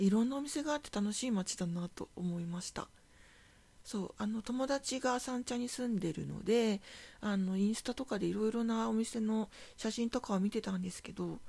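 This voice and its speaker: The voice sounds relaxed, somewhat breathy and dark, mellow in tone, moving at a moderate pace with ordinary pitch variation. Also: woman, fairly high pitch for a woman. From Tokyo, Oshiage. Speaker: podcast host. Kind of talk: casual solo talk. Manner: relaxed, many fillers.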